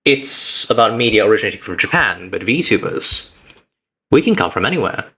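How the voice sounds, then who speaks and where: Earnest low-voiced man, bright tone. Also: very animated, husky. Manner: earnest, reflective, uneven pace with halting restarts. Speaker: VTuber streamer. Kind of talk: heartfelt personal speech to stream chat.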